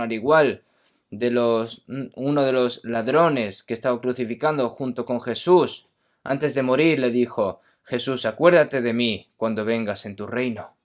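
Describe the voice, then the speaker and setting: A man from Korea preaching a sermon emphatically, often checking in with his listeners. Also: medium pitch.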